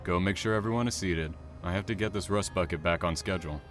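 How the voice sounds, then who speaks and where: An actor playing a reserved, kind, businesslike train driver in a naturalistic audio drama. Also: male voice, low-pitched, quick pace, soft background music, close to an everyday voice.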